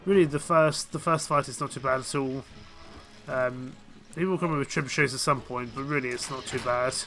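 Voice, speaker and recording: A man with a cold speaks in a croaky yet bright, forward voice. He talks his way through a strategy game in a hesitant, casual way, full of restarts and fillers. His pitch sits at an ordinary middle height. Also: fairly even intonation, brisk, faint music behind. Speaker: game streamer. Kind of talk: casual gameplay commentary.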